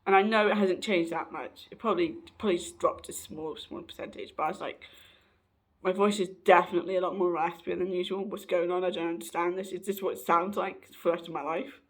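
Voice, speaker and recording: A young trans man, rambling casually in a personal vlog, often correcting himself and laughing, his voice slightly raspy and hoarse. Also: high-pitched, fairly even intonation, quick pace, a bit bright. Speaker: vlogger.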